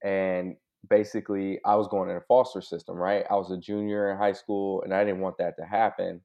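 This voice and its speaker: Very deep-voiced American man, muffled recording. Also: little pitch movement, fairly quick. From United States (born in Hawaii, grew up in California). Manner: informal, open, frequent "right?" and "like" asides. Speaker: surgeon, interview guest. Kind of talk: candid personal life story, casual. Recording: dull, lo-fi audio.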